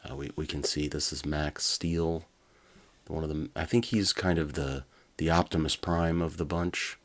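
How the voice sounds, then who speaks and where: A man's voice: very deep voice, steady tone, measured pace. A man narrating a children's storybook, with casual asides of his own commentary. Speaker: reader and commentator.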